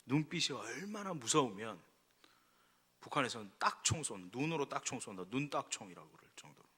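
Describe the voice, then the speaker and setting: A middle-aged male pastor preaches in a church, his bright, forceful voice trailing a long hall reverb. He tells stories in a relaxed, conversational way, then builds to emphatic exhortation. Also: mid-range voice, fairly quick, husky. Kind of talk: sermon. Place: church sanctuary.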